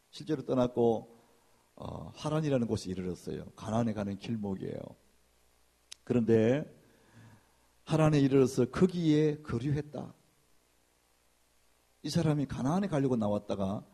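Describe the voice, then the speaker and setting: A man preaching a sermon as senior pastor, in a lively conversational way, acting out church gossip in hushed voices. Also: mid-range voice, vocal fry.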